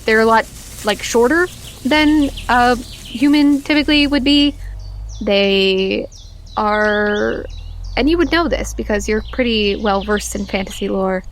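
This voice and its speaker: A woman improvising narration as the game master of a tabletop role-playing game, in halting, pieced-together phrases. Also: on the high side, slight background noise.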